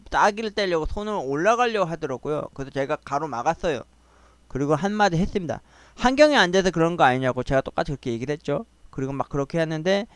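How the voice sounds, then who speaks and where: A man hosting his own channel, telling a family quarrel story in a casual, agitated way and acting out the shouting. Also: fairly high pitch, no echo. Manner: agitated, animated retelling, quoting people in raised voices.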